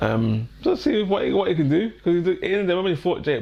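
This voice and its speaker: A man talks in a strong Birmingham accent. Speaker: boxing commentator / YouTuber. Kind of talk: casual vlog commentary. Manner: halting, many fillers and restarts.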